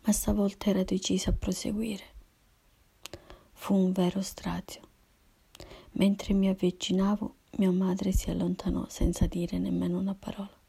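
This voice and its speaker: A woman telling her own story in a hushed, breathy whisper. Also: medium pitch, flat delivery, normal speed. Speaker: narrator of a personal story. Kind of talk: whispered first-person narration.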